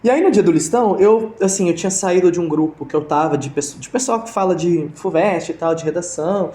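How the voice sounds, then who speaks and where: A young Brazilian man, a guest in a casual interview held over a video call, tells a story in a high, dark-toned voice at a slightly fast pace. He sounds hesitant, restarting often and filling gaps with fillers, and has a Brazilian Portuguese accent. The audio is roomy with a little hiss or hum.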